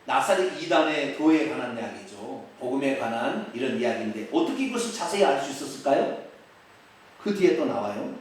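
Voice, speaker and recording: A man, a pastor, preaching an expository sermon with animated delivery, asking the congregation questions and acting out quotes. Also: medium pitch, a little fast, a little hiss or hum. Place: church sanctuary. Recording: echoey church hall, mic at a distance.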